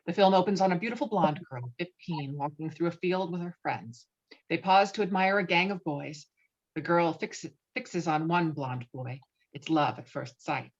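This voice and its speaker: Woman narrating, slightly muffled sound. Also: on the low side. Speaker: stage-direction narrator. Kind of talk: scripted narration at a table read.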